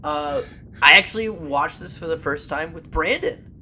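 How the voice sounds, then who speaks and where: A man's voice: a little high, very animated, moderate pace, creaky, pushed and bright, a little hiss or hum. Rambling, playful male podcast host. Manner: playful, rambling, many fillers. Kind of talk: casual movie chat.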